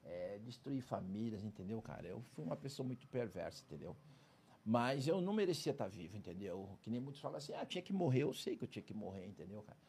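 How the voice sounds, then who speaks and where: A man's voice: lowish voice, very animated, fast talker, gravelly, dark tone, slight background noise. A man, a former criminal, telling his story in a casual interview, emphatic and streetwise, constantly checking in with his listener. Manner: emphatic, streetwise, keeps adding "entendeu?" and "cara". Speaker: interview guest, former criminal turned prison speaker.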